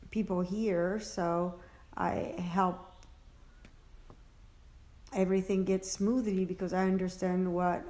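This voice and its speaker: A woman answering interview questions about her work as an interpreter, halting and searching for words, often restarting. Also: fairly low pitch, darkish tone. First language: French. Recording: echoey room.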